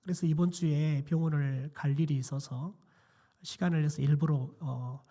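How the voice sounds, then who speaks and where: A middle-aged man, a pastor, preaching a quiet sermon in a church with a hoarse, nearly lost voice and many hesitant fillers. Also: a little high, fairly even intonation, moderate pace. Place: church sanctuary.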